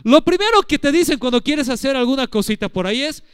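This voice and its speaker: A man's voice: extremely high pitch, expressive, fast, no room sound, studio quality. A man preaching a sermon in church, teaching and asking the congregation questions. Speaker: pastor.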